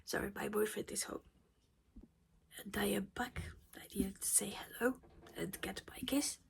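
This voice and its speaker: A woman's voice: mid-range voice, fairly even intonation, normal speed, creaky, a little hiss or hum. A woman whispering her way through a casual cross-stitch project chat at home while losing her voice.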